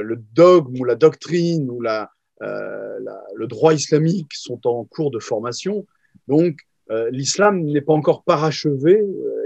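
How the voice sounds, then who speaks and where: A man, a historian guest, explaining at length in an interview with frequent pauses, fillers and restarts. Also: mid-range voice, creaky, mellow, no room sound, lo-fi sound. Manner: hesitant, many fillers and restarts. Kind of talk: interview answers.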